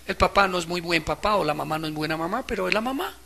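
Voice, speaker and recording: Pastor guy preaching, bright sharp voice, gets loud then drops quiet. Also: sits high, animated, quick pace, creaky, slight background noise. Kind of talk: sermon.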